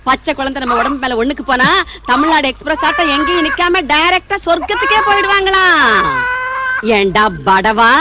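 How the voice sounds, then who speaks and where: Film grandmother type, very high voice, grumbling but doting, heavy background noise. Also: expressive, moderate pace. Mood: grumbling, wistful. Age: older. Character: old woman, grumbling yet doting on a baby. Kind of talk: Tamil film acting. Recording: loud noisy film soundtrack.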